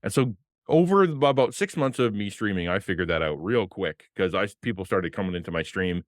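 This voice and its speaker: A man with a deep, low voice talks with passion and animation, a former pastor sharing his work as a podcast guest. His words come close and dry from a desk microphone in a small streaming room. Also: fairly quick, dry recording. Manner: passionate, animated, gestures with hands. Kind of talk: casual interview talk. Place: home streaming room with colored lights. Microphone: desk podcast mic on arm, headphones.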